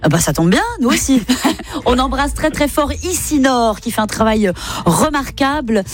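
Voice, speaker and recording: A woman hosting a live radio show in a studio, exclamatory and quick to laugh. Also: sits high, expressive, soft background music. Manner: warm-hearted, exclamatory, laughs often. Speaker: radio host. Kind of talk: lively live radio chat.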